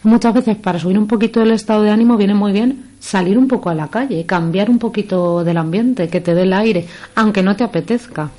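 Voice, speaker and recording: A woman's voice: mid-range voice, a little fast, few pauses, mellow. A woman psychologist explaining things on a radio talk show, using everyday examples. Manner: explanatory, gives examples with quoted phrases. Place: radio studio.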